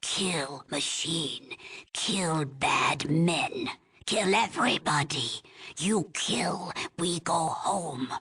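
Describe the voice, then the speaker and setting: Old female tribal elder, low-pitched, heavily breathy rasp, grave, solemn, pleading, game character. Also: a bit bright, full character voice. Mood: desperate, stern. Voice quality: husky, raspy, breathy. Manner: solemn, halting, pleading, formal. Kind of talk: video game character dialogue.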